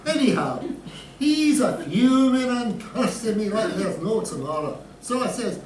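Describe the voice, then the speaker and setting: A man playing an excitable, rambling comic Aladdin with a Scottish accent in a sketch. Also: high-pitched, measured pace. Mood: chatty. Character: rambling excitable Aladdin, a pantomime storyteller with faux French airs. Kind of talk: comic radio-sketch banter. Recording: roomy, distant mic, faint noise.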